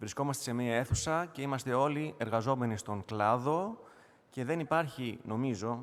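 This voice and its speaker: Medium-pitched male speech at a fairly quick pace, with ordinary pitch variation. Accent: Greek. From Greece. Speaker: pharmaceutical executive. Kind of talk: conference presentation. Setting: conference hall.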